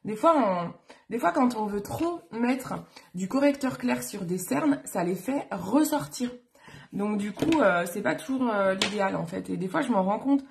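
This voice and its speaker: A woman's voice: medium pitch, lively intonation, measured pace, creaky, a little mellow, slight background noise. A woman chatting casually on a live stream while doing her makeup, rambling with many fillers and self-corrections. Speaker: beauty vlogger on a live stream.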